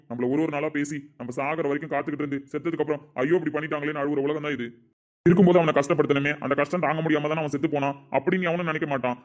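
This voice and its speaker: A man's voice: fairly high pitch, lightly acted. A man playing a middle-aged father who defends his daughter with emphatic, indignant speech in a family drama. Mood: resolute. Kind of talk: amateur family drama acting.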